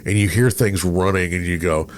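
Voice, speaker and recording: A man's voice: low voice, normal speed. A middle-aged man hosting a casual conversational interview, telling stories and voicing his own thoughts as he goes. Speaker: podcast host, former radio programmer. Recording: noticeable background noise.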